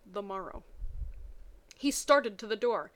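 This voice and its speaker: A woman's voice: medium pitch, animated, unhurried. A woman reading a story aloud dramatically, breaking off for playful, mocking asides. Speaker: reader of fan fiction.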